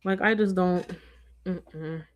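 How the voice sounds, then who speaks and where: A woman's voice: fairly low pitch, fairly even intonation, takes it slowly, highs cut off. Rambling woman chatting to her stream. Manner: rambling, conversational, with restarts and asides. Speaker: livestream host. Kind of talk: casual commentary to viewers.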